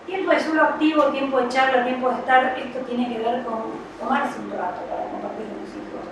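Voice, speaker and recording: A woman with a Rioplatense Spanish accent talks informally to parents, explaining child-rearing ideas in a loose, conversational way full of fillers. Her voice sits high. She is picked up from a distance in a very echoey room with a faint hum of ambience behind her. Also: steady tone, brisk. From Argentina. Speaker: child psychology professional.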